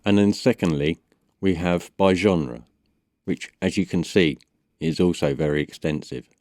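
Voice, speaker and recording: A man with a low-pitched voice presents a step-by-step software guide. His delivery is measured and instructional. The sound is dry, with very little room in it. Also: dry recording. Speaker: tutorial presenter. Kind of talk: step-by-step software tutorial voice-over.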